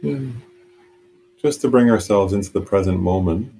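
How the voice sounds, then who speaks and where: A man leading a guided meditation as a teacher, giving gentle, halting, unscripted instructions with long pauses. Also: lowish voice, creaky, a little hiss or hum.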